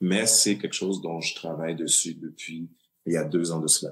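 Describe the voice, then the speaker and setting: A man speaks with a very deep, low voice and a fairly even intonation. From Haiti. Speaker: actor and film director. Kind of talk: TV interview. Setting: TV studio. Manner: hesitant, many fillers.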